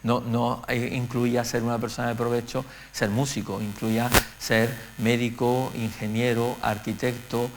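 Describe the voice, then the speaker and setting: A middle-aged man with an Andalusian accent gives a public lecture on music education, speaking in a measured way with frequent pauses. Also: mid-range voice, flat delivery, a little hiss or hum. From Andalusia, Spain.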